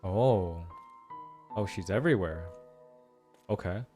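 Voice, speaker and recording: A man hosting a casual reaction video, thinking aloud in slangy, excitable commentary. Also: low-pitched, slow. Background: faint music.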